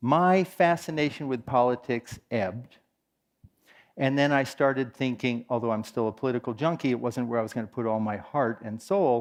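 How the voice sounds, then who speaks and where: This man has a plain, everyday voice with medium pitch and ordinary pitch variation. He speaks at a moderate pace over a quiet background. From US West Coast, San Francisco Bay Area. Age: 60s. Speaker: meditation teacher. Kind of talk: talk to an audience. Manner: conversational.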